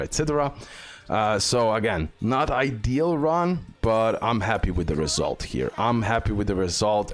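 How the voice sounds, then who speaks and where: A man giving casual, unscripted gameplay commentary as a video host, often repeating short phrases over and over. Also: on the low side.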